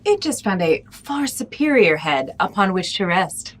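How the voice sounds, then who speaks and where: A woman plays a smug wasteland woman with a mid-pitched, unhurried voice. She rambles and second-guesses herself in a comedy audio drama. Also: very animated. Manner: smug, trailing off into doubt.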